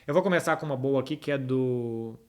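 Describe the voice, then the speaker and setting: A man's voice: a little high, rapid-fire. Casual Brazilian man chatting to his followers. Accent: Brazilian Portuguese. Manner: informal, colloquial, addresses the audience directly. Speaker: host answering viewers' football questions. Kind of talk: casual chat to followers, football analysis.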